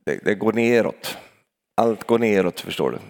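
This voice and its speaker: An older man preaching a relaxed, conversational sermon, often adding questioning tags for agreement and laughing easily. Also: lowish voice, gravelly. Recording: long hall reverb.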